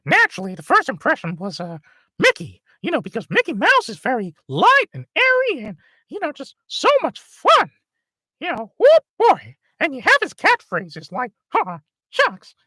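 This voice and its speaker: A man voicing a cheerful cartoon mouse in a light, airy, very high voice. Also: wildly swooping pitch, moderate pace, pushed and bright, no echo, clean studio sound, full character voice. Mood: gleeful.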